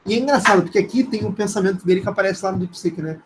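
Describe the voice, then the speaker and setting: A Brazilian man with a fairly high voice teaches an informal live class. He speaks conversationally and hesitantly, often checking in with short tag questions. Noticeable noise sits behind his voice. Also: rapid-fire. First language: Portuguese. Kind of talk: informal live lecture with screen demonstration.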